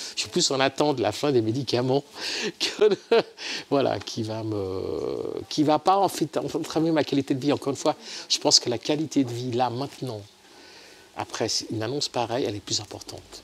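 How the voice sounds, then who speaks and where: Long, frequent pauses break up moderately paced talk whose pitch varies in an ordinary way. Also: man, medium pitch for a man. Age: 60s. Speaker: breast cancer patient. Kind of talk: testimony. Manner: halting.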